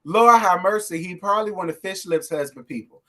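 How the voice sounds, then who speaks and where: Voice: medium pitch, a little fast, pushed and bright. A co-host in a casual gossip chat, laid-back and mostly agreeing, with blunt asides.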